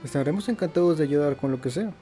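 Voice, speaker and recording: A man's voice: fairly high pitch, very fast, dark tone. A man who is a native Spanish speaker, reading game dialogue aloud as a gameplay host. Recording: music behind the voice.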